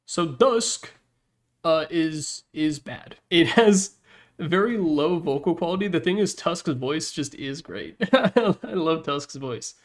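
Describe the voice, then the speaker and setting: A man's voice: fairly high pitch, expressive, slow pace. Casual, rambling man doing gaming commentary. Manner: rambling, jokey, self-deprecating. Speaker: gaming video host. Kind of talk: casual unscripted tier-list commentary.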